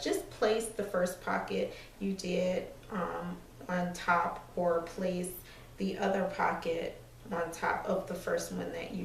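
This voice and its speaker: Woman, slightly hoarse, gravelly, chatty sewing tutorial, echoey room, far from the camera. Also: medium pitch, a little hiss or hum. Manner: relaxed, chatty step-by-step explaining with fillers. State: slightly hoarse, losing her voice. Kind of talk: casual craft tutorial. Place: small room indoors at an ironing board.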